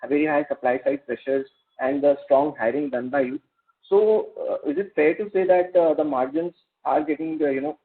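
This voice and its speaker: A man with an Indian accent, a financial analyst politely putting formal questions on an earnings call. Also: a little high. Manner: polite, deferential. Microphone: telephone conference call. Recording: tinny narrowband conference phone line.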